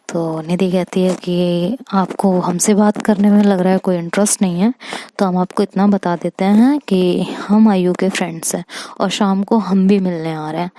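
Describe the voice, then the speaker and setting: Female storyteller, chatty first-person love story with quoted dialogue; warm dark tone, dry close mic. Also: lowish voice, no echo. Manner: chatty, quotes friends in quick back-and-forth. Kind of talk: first-person story told aloud, voicing friends' dialogue.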